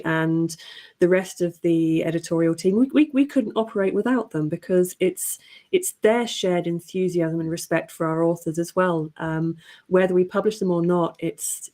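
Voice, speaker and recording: A woman speaks off the cuff as a panelist in a discussion. Her voice sits a little low and has a dark, relaxed tone. She comes across as earnest and appreciative. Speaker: panelist, editor of story anthology show. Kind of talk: unscripted panel talk. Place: remote online panel call.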